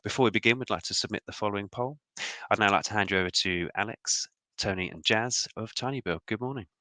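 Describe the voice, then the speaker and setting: A man moderating an online event, introducing the presenters in a brisk, formal way. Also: on the low side, pushed and bright, no echo. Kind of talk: scripted introduction.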